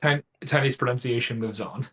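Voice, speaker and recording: A man's voice: medium pitch, a little fast, a bit bright. A man playing a tabletop role-playing game, chatting casually and describing his character's moves.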